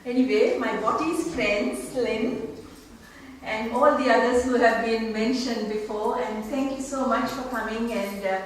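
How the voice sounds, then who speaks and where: A woman in her sixties with a fairly high voice gives a halting, informal speech of thanks. It is recorded from a distance in a hall with very heavy echo. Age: 60s. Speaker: author thanking guests at her book launch. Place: large roomy indoor gathering, mic at a distance. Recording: echoey hall, distant mic, faint noise.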